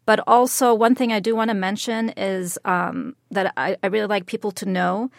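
A woman born in Lebanon and raised in Saudi Arabia and Jordan, speaking as a panel guest in an animated, emphatic way. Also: mid-range voice, moderate pace, creaky, dry recording, studio quality. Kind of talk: panel discussion.

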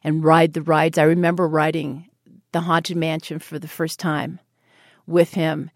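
Older American female guest, earnest and reflective, slightly low register, dry close sound. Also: flat delivery, a little slow, no room sound. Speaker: interview guest. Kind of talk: reflective interview conversation.

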